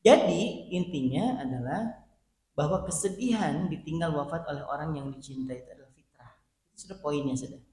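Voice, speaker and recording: A male preacher giving an animated sermon to a women's study group, acting out quoted voices as he talks to them directly. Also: a little high, brisk. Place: mosque hall. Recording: roomy mosque hall, faint background hum.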